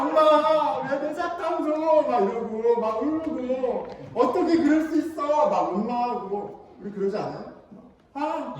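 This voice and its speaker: A male pastor giving an animated, playful children's sermon in a church, acting out whining kids now and then. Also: sits high. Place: church sanctuary. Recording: echoey hall from far off, faint noise.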